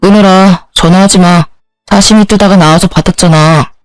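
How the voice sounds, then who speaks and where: A woman's voice: fairly low pitch, fairly even intonation, normal speed, dry recording, soft background music, lightly acted, rough recording. A woman voicing a rude, irritable husband who brushes his wife off, in a story narration. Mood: irritated. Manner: curt, brushing off.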